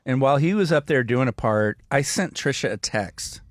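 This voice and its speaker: A man co-hosting a morning radio show, teasing his partner in a dry, easygoing way. His voice sits in a middle pitch and is recorded close and dry in a studio. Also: expressive, normal speed, dry recording. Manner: dry, teasing humor with easy chuckles. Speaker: radio co-host. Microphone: studio microphone.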